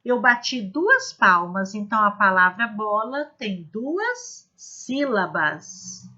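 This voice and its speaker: Slow, bright-voiced woman teacher. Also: mid-range voice, big pitch swings, highs cut off. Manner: slow, clear, demonstrative teaching with modeled examples. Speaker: literacy teacher trainer. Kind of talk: instructional video lesson.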